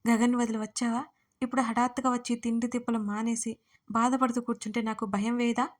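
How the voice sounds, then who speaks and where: Woman doing a middle-aged mother, audio storybook, anxious, coaxing, firm, highish flat voice. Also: a little fast, lightly acted. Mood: worried.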